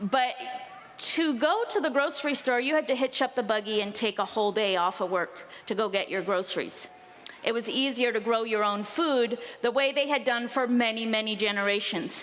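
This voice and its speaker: A woman speaks at a moderate pace with a fairly high pitch and ordinary pitch variation. Her loudness stays very even, and background noise is noticeable. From Pennsylvania, Old Order Mennonite community. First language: Pennsylvania Dutch. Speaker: homesteading speaker. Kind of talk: conference talk.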